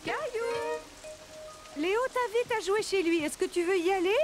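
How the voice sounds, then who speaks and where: A cheerful young mother in a children's cartoon. She sounds caring and high-pitched, with faint music behind her. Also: normal speed.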